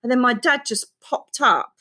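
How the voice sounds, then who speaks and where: A middle-aged woman who is an author, telling her personal story in an interview in a frank, expressive way that runs on quickly. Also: a little high. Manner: emotional, expressive, fast-running storytelling. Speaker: guest author.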